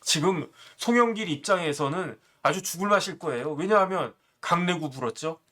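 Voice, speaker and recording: A man's voice: fairly high pitch, lively intonation, normal speed, pushed and bright. A man in his fifties commenting on politics in a talk show, indignant and full of rhetorical questions. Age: 50s.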